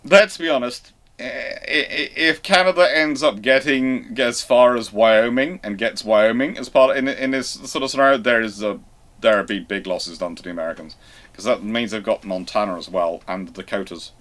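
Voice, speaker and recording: A man with a middle-pitched voice hosts a casual live discussion. He talks haltingly, circling back over his phrases and rewording them as he goes. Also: a bit bright. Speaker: host of a live history question show.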